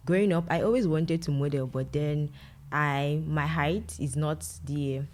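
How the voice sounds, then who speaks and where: A woman's voice: low-pitched, a little slow, a little mellow. A young woman with a Nigerian accent, answering conversationally as an interview guest. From Lagos, Nigeria. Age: young adult. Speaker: interview guest, medical doctor and content creator.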